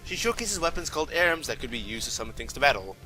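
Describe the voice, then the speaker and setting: A man's voice: mid-range voice, very animated, fast talker, over loud music, rough recording. A young man narrating a scripted comedic anime review with sarcastic, joking asides.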